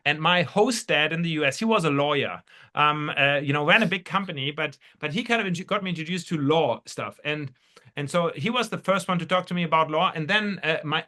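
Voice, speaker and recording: Bright-voiced, higher-pitched man from Germany. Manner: halting, rambling, repeats words. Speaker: podcast guest, entrepreneur. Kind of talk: casual anecdotal interview storytelling.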